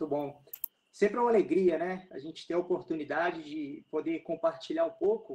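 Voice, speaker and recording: Delivery keeps a moderate pace, and the pitch varies in an ordinary way. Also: man. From Brazil, Belo Horizonte (Minas Gerais). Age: 30s. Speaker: lawyer, co-host. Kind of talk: live online talk. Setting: video livestream.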